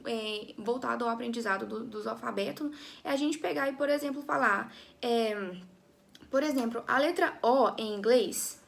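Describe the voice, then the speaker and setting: A woman's voice: a little high, moderate pace, creaky. A young woman teaching an English lesson to her students, chatty, often checking in with her class and restarting her sentences.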